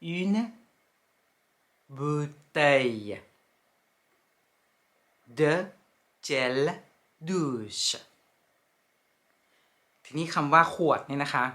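A woman teaching pronunciation in a lesson, speaking slowly and deliberately and repeating each word carefully. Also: low-pitched, lively intonation, pushed and bright. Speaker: French language teacher.

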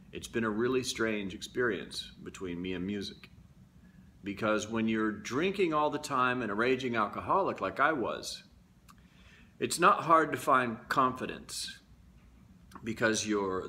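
Candid, reflective man with a bright voice. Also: fairly low pitch, a little hiss or hum. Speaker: vlogger. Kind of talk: casual talk to camera.

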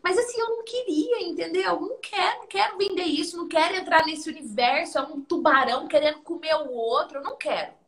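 A woman from Brazil, hosting a live stream about her coaching course and telling stories in an animated way. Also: very high-pitched, fast talker. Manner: animated storytelling, acts out quotes. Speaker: host and coaching instructor.

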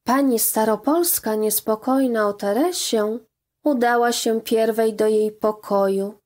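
A woman narrating a classic children's story in a calm, even, unhurried way. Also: a little high.

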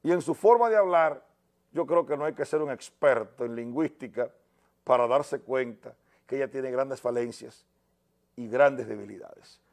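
A man's voice: mid-range voice, moderate pace, a little mellow. A man with a Dominican accent giving opinion news commentary in an emphatic, indignant way. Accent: Dominican Spanish. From Dominican Republic.

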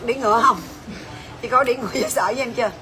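A woman's voice: fairly high pitch, steady tone, quick pace, crowd noise. A woman selling jewelry on a livestream from her shop, chatty and bossy, teasing her staff and calling out prices. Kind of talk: livestream sales pitch.

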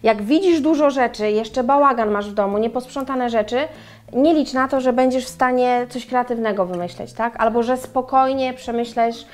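A middle-aged woman co-hosting a casual chat, animated and speaking straight to viewers, on a lapel mic in a bright room. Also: fairly high pitch. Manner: animated, gesturing, addresses viewers directly. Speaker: co-host. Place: bright room with flowers and windows.

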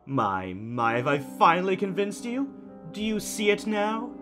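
A man's voice: sits high, big pitch swings, unhurried. A man playing a taunting kidnapper villain in an audio drama, mocking and falsely tender in a condescending coo. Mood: mocking, gloating. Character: taunting, soft-spoken male kidnapper villain, sadistically tender. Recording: music under the voice.

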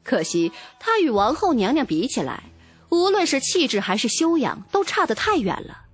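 Woman reading a dramatic audiobook, high husky voice, soft music behind. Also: very animated, normal speed. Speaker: audiobook narrator. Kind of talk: dramatic first-person novel narration, scripted.

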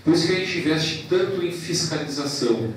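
A man in his forties, president of a professional council, giving a formal ceremony speech into a handheld mic in a large hall. He speaks in a measured way, listing thanks and points with pauses. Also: a little high, lively intonation, slight background noise. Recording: echoey hall from a distance.

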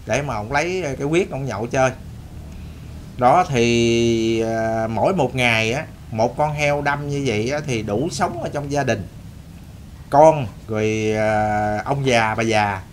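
With a mid-range voice and a Southern Vietnamese accent, a male storyteller host rambles through a tale for his audience. He speaks casually and folksily, restarting and repeating bits of phrases. Slight background noise can be heard.

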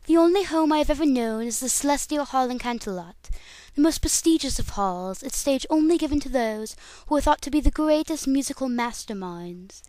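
A woman's voice: high voice, a little mellow, no echo. A woman voicing a refined, proud female cartoon pony musician in a poised, haughty and formal manner.

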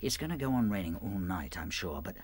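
A British man acting an eager, hospitable but evasive male rabbit in a radio play, chatty and hesitant, with a husky voice. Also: low-pitched, sing-song, fairly quick, darkish tone, slight background noise.

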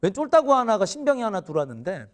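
A man in his forties, a teacher, telling a funny story in an animated way and often laughing mid-sentence. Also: sits high, quick pace. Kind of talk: humorous storytelling lecture.

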